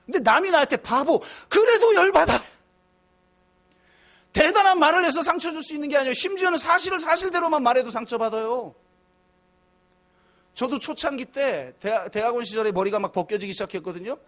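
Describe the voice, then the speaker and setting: Middle-aged male pastor, very high pitch, conversational church sermon with soft asides and loud emphatic peaks. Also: lively intonation, fairly quick. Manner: conversational preaching, swings from soft musing to loud emphatic outbursts. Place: church sanctuary.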